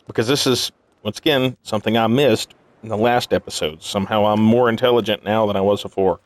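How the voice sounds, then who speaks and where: A sleep-deprived man thinking aloud as he plays a puzzle game, muttering haltingly to himself in casual commentary. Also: on the low side, fairly even intonation, no echo. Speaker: gaming video host. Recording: music behind the voice. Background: game music.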